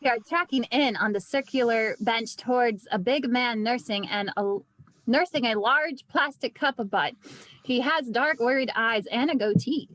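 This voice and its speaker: Woman narrator, high voice, dry sound, reading screenplay action aloud. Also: moderate pace, a bit bright, no room sound, rough recording. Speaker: narrator reading stage directions. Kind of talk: scripted narration, table read. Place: indoors, remote online read.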